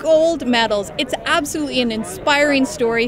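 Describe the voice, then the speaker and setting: Noticeable background noise sits under a woman's high voice, heard in a dry sound with no echo, as she speaks at a moderate pace with ordinary pitch variation. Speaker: government minister. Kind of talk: interview answer. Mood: warm, enthusiastic, smiling. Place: stadium.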